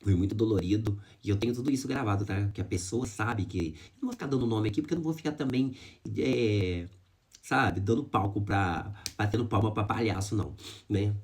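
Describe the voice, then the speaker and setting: A man's voice: lowish voice, brisk, a little mellow. A man telling viewers a personal story of hardship and faith, talking straight to them in an emotional, heartfelt way. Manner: emotional, addresses viewers as "gente", religious. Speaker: vlogger. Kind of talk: personal testimony to camera.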